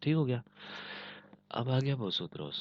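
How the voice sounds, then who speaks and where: A man's voice: medium pitch, big pitch swings, slow. A man teaching a language lesson, patiently checking that his students follow. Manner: patient, repeats "ठीक है ना" to check understanding. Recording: dull lo-fi, dry close sound.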